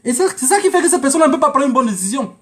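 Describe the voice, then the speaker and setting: A man's voice: extremely high pitch, sing-song, very fast, a bit bright. A man giving an informal political monologue to online viewers, haranguing them emphatically and repeating phrases for effect.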